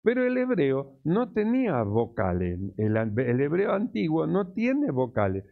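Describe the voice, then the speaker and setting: A man preaching a sermon as pastor, teaching slowly and deliberately, repeating key words. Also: fairly high pitch, huge pitch swings, gravelly, phone-quality sound. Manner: slow, deliberate teaching with repetitions.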